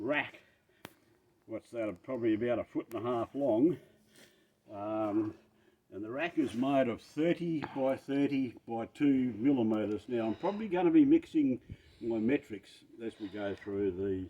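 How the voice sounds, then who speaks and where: With an Australian accent, a man talks at a fairly slow pace in a dark, mellow tone with lively intonation. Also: medium pitch for a man. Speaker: amateur firewood gatherer and home metal fabricator. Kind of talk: casual how-to talk to camera. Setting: outdoors.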